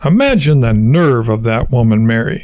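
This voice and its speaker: A man performs a put-on character voice. His pitch is medium. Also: moderate pace. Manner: offended, indignant.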